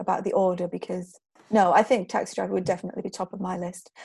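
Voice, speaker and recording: A woman talks at a very fast pace in a dark, mellow tone with vocal fry. The recording is very clean, with a silent background. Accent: British. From UK. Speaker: podcast host and film reviewer. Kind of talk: casual chat.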